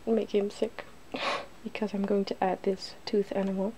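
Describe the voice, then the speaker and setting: Bright-voiced woman doing chatty ASMR. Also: mid-range voice, level tone, normal speed, a little hiss or hum, low-quality recording. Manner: giggly, chatty, drifts into whispering. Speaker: ASMR video host. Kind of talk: casual ASMR makeup demonstration.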